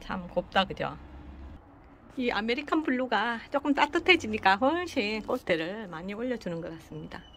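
Over light background noise, a woman talks at a moderate pace with a fairly high pitch that swings very widely. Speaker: succulent gardening YouTuber. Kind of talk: casual gardening vlog narration. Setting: at an open veranda window at home. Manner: friendly, frequent laughs and fillers. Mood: warm, pleased. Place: home room. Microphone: phone near.

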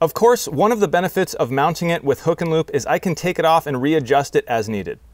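Dry with no echo, a man's voice comes over a quiet background. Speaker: presenter. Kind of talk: tutorial. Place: car. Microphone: phone near.

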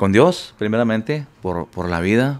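A man at a very slow pace with lively intonation. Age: 60s. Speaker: singer; interview guest. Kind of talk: interview. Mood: warm, animated storytelling. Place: studio. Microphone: studio mic.

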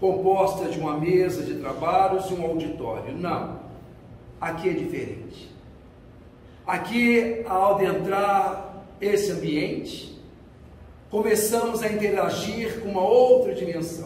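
Light background noise and audible room echo surround a man with a high pitch. He talks at a very slow pace with long, frequent pauses. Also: ordinary pitch variation. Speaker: lecturer. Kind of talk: spiritual lecture. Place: meeting room.

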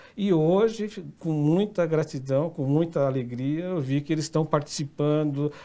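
A dark, mellow tone in a fairly high male voice. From Brazil, São Paulo state. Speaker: waste management consultant. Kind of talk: interview. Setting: studio. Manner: hesitant with many fillers. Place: studio. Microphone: lapel.

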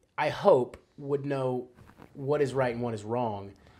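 A man with a fairly high pitch speaks at a fairly slow pace. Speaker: gaming channel co-host. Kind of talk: casual chat. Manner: animated. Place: home room.

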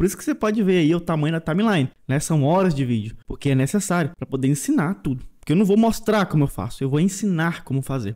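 Over a quiet background, a man with a high pitch and a dark, mellow tone speaks very fast with lively intonation and hardly any pauses. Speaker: web design instructor; web tutorial creator. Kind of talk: tutorial. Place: home room. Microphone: studio mic.

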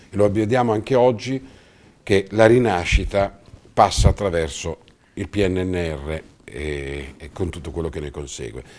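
With lively intonation and big swings in loudness, a man speaks in a very deep, low voice at a fairly slow pace, leaving long, frequent pauses. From Marche, Italy. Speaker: mayor; guest. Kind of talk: interview. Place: studio. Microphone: lapel.

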